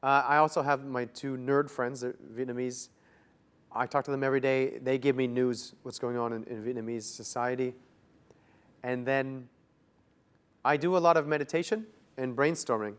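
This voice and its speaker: The guest is a young Canadian man whose mid-range voice sounds smooth and moves at a normal pace. His interview responses are loose and easygoing, full of "like" fillers.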